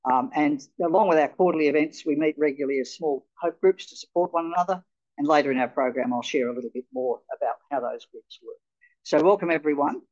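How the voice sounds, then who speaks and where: A man with a slightly raised pitch hosts an event and interviews a guest, friendly but full of fillers. The sound is dull and lo-fi. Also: darkish tone. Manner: friendly, hesitant with many fillers. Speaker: host. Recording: dull lo-fi recording.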